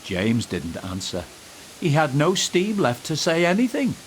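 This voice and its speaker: Male narrator for children's story: expressive, highly varied pitch, slightly high register, faint noise behind. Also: unhurried.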